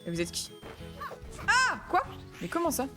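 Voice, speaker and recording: A woman's voice: fairly high pitch, sing-song, fast, over music. A young woman streamer chatting casually and laughing with panicky yelps while she plays a game. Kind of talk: casual gaming stream commentary.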